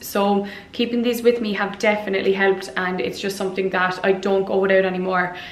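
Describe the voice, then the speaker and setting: Audible room echo surrounds a woman talking at a fairly quick pace. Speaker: fitness vlogger. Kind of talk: casual vlog chat. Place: kitchen. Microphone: phone near.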